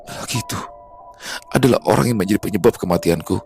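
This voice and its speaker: Guy doing a sad young ghost woman, soft hushed voice, faint music behind, horror storytelling. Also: on the low side, fast talker, gravelly. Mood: grieving. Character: sorrowful young woman ghost in yellow kebaya.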